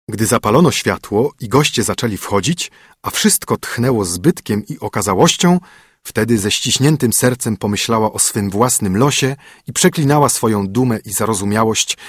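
A man reads a fairy tale aloud at a steady, measured pace. His mid-pitched voice is husky, recorded close and dry with no room sound. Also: dry recording. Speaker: narrator.

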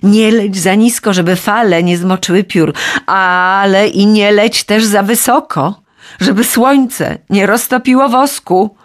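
A woman's voice: medium pitch, unhurried, lightly acted. A woman voicing Daedalus, a proud old inventor father giving his son earnest instructions in a storybook. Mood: warning.

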